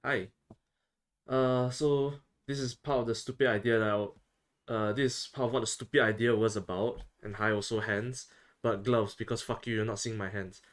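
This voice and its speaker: A man's voice: fairly low pitch, fairly even intonation, normal speed. Casual Singaporean man streaming. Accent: Singaporean English. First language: Chinese. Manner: self-mocking, rambling, swears casually. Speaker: VTuber streamer. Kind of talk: casual livestream chat.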